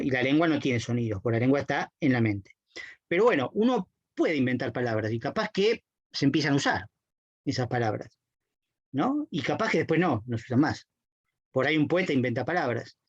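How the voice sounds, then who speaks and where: A man's voice: mid-range voice, slightly rough, no room sound. Man lecturing, dull dry recording. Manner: explanatory, frequent checking "¿sí?" and "¿no?". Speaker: semiotics lecturer. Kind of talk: university lecture.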